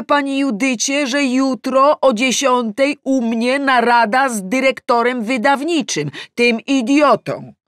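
A woman's voice: fairly high pitch, fairly bright tone, dry recording, studio quality, voice pushed up. A woman voicing an exasperated, self-pitying male editor-in-chief in an audiobook, ranting emphatically. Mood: weary, brisk. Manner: emphatic, ranting in numbered points. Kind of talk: audiobook character acting.

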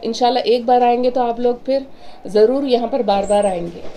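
Customer testimonial, woman with a mellow, slightly high voice, faint room hiss, brisk and earnest. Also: low-quality recording. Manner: brisk, recommending. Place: small office indoors. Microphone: press microphones on table.

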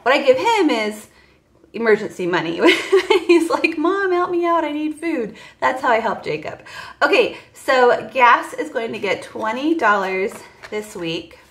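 A woman's voice: a little high, animated, unhurried, fairly bright tone, echoey room. A woman in her forties, chatting casually to viewers about her budget while counting cash at a table. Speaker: budgeting vlogger. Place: indoors at a table. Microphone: voice heard over top-down table camera, hands only.

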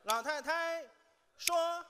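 This is a man delivering comic folk verses on a theater stage. He pitches his voice very high and stretches every phrase slowly, keeping a deadpan sing-song. The stage recording carries clear noise underneath. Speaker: lead crosstalk performer. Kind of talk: sung comic storytelling with clapper boards.

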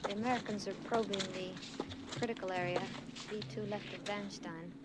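A woman's voice: mid-range voice, fairly even intonation, a little fast, very noisy, lightly acted. An actress playing a composed, secretive young woman spy in a mid-century war film, speaking with controlled purpose. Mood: urgent, commanding. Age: young adult.

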